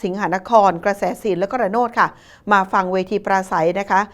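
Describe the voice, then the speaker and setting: A woman's voice: medium pitch, steady tone, a little fast. A woman news presenter delivering a scripted local news report in a polite, formal manner.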